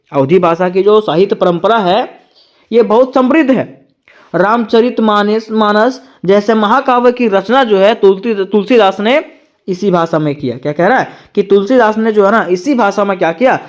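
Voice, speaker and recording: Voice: mid-range voice, moderate pace. A tutor giving an exam-prep lecture, asking rhetorical questions and answering them, repeating each point twice.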